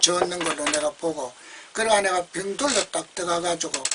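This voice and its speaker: Noticeable background noise under a moderate pace, in a Gyeongsang accent. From Gyeongju, South Korea. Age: 80s+. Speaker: church deacon. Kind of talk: religious testimony about heaven and hell.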